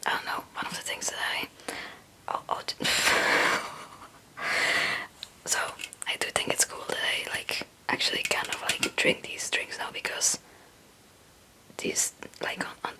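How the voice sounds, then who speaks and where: A young woman, a native Dutch speaker, whispering breathily in a rambling, halting, casual ASMR chat. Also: low-quality recording. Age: young adult. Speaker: ASMR video creator.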